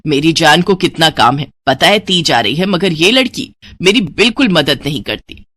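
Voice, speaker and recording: A woman's voice: low-pitched, lively intonation, normal speed, fairly bright tone, slightly rough, no echo, full character voice. A woman playing a scolding middle-aged mother. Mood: exasperated. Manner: scolding, exasperated. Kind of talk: storybook voice acting.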